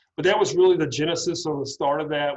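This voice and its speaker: A man is speaking. He has a Texan accent. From West Texas. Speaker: district attorney. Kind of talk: interview answer.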